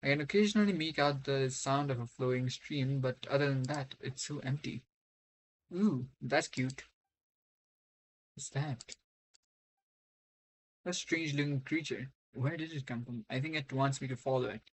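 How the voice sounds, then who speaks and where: A man's voice: medium pitch, normal speed, pauses often, poor audio. A man live-streaming a game, reading dialogue aloud and reacting casually.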